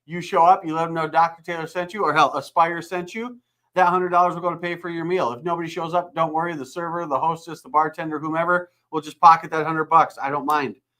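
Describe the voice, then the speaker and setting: A man speaks very fast in a high pitch with a bright, sharp tone. His loudness swings widely. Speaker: chiropractor, clinic owner. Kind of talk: casual chat. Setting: live stream. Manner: animated.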